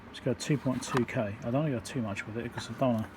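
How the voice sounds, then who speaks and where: A man giving a hands-on electronics repair demonstration, thinking aloud in an informal, halting, step-by-step way. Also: mid-range voice. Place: indoor repair workbench. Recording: steady background hum and room noise.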